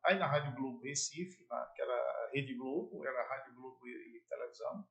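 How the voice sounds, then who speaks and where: A middle-aged man with a playful, animated way of telling stories about his years in radio and TV. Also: mid-range voice, fairly quick, creaky, highs cut off. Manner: playful, animated storyteller with jumps in loudness. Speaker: former sports broadcaster and TV presenter. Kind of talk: casual storytelling interview.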